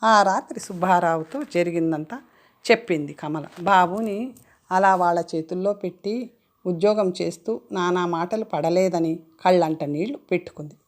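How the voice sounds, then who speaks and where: A woman narrating an audiobook story in an expressive storytelling manner. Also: lowish voice, moderate pace.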